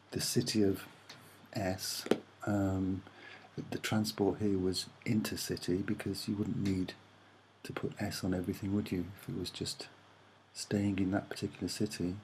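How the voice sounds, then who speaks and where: A soft-spoken man giving a hesitant, musing, rambling commentary on images as an amateur presenter. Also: deep voice, slight background noise.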